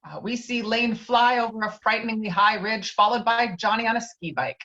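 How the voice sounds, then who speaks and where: A woman's voice: a little high, steady tone, normal speed, sharp tone. A woman reading screenplay stage directions as scripted narration, heard through slightly dull online audio.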